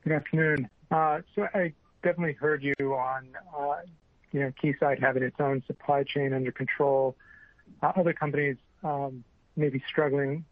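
A man's voice: mid-range voice, no room sound. A man speaking as a financial analyst, asking a question on an earnings call with some hesitation. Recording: tinny narrow phone line.

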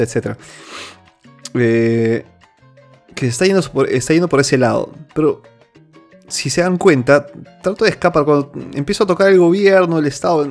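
A Peruvian man hosts his own opinion show, delivering an earnest monologue full of restarts and fillers in a slightly high, darkish voice.

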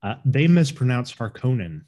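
A man's voice: medium pitch, very animated, normal speed, warm tone. A man co-hosting a podcast, talking casually about a movie, with frequent restarts and a rambling, opinionated way of talking. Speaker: podcast co-host. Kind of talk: casual movie review chat.

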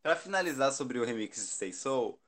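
A man's voice: mid-range voice, expressive, normal speed, fairly bright tone. A man with a Brazilian Portuguese accent in casual chat, gushing and emphatic about what he loves. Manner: gushing, emphatic fan talk.

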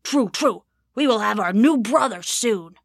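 A woman's voice: fairly high pitch, animated, measured pace, no room sound, studio quality. Woman doing greedy little scheming goblins. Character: small scheming male goblins, greedy and eager.

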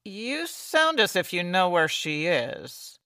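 Radio noir villainess: cornered, scheming, theatrical, lower register with dramatic swings. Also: female voice, very animated, takes it slowly, pushed and bright, no echo, clean studio sound, full character voice. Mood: guarded, evasive. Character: cornered 1940s noir murderess, wealthy and calculating publisher. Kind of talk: old-time radio detective drama acting.

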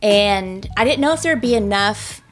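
A woman host talks through a crime case in a loose, rambling, chatty way. Her voice sits at an everyday middle pitch. Faint music plays softly behind her. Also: animated, moderate pace. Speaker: podcast host. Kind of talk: casual chat about a true crime case.

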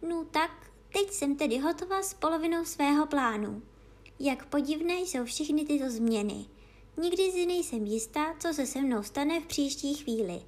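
A woman voicing a polite young girl in a storybook reading, with a raised, drawn-out, indignant girlish voice. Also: high-pitched, animated, a little mellow, pitched above the performer's own voice. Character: young girl, polite but easily offended.

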